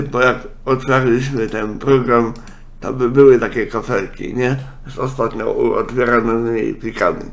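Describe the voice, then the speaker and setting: A man, a congested nose and a speech impediment, giving a casual, halting software walkthrough. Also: mid-range voice. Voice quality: congested, blocked-nose sound; speech impediment, imperfect articulation. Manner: halting, with self-corrections. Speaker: software tutorial presenter.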